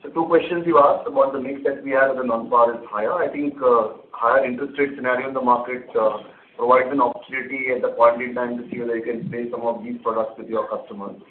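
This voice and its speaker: A male company executive answers questions in an explanatory, methodical way. His mid-pitched voice comes through a narrow phone line with plenty of room echo. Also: fairly even intonation, fast talker. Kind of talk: answering analyst questions on an earnings call. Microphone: conference call phone line. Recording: echoey, phone-like conference call line.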